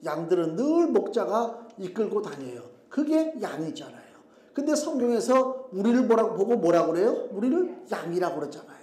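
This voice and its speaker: A man's voice: high voice, sing-song, moderate pace, a little mellow. Emphatic male pastor in an echoey church. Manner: conversational and emphatic, many rhetorical questions. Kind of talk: sermon. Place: church sanctuary.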